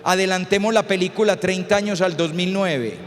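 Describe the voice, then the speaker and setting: A Catholic priest giving a lively lecture, telling stories and asking the audience rhetorical questions. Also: male voice, sits high, normal speed. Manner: storytelling, acts out scenes, rhetorical questions. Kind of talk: humorous public lecture. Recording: reverberant lecture hall.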